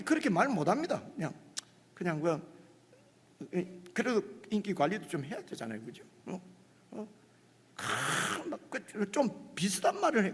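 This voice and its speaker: A man's voice: high voice, breathy edge. A male pastor preaching a midweek sermon, in a conversational way with frequent asides to the congregation. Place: church sanctuary. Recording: long church reverb.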